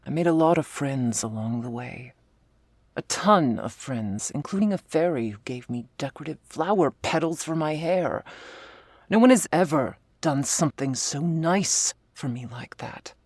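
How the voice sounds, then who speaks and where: Casting: woman playing gruff, blunt female half-orc commander with a soft side, gravelly and slow, for ASMR ASMR role-play. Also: no room sound, exaggerated voice. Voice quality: low husky, breathy, gravelly voice. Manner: slow confessional delivery, often dropping in a soft voice.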